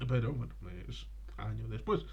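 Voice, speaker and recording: A man presenting unscripted film commentary in a discursive, halting way, searching for his words and tossing in rhetorical questions. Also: medium pitch, dark tone, slightly rough, lo-fi sound.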